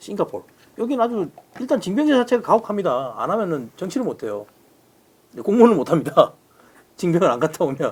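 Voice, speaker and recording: Spoken very fast with a slight North Korean accent, the voice has very wide pitch swings. Long pauses break it up often. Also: man, high pitch for a man. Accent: slight North Korean-style intonation. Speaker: reporter and reserve forces expert. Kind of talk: casual interview discussion.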